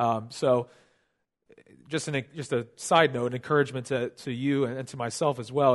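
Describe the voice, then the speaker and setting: The clip has an unremarkable speaking voice at a moderate pace over a quiet background. Its intonation stays fairly even. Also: man. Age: 30s. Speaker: pastor. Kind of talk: sermon.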